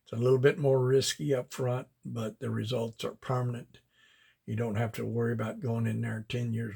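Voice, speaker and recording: A man's somewhat breathy voice at a fairly quick pace with fairly even intonation. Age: 70s. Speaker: vlogger. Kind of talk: personal health advice vlog. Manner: casual, halting with fillers.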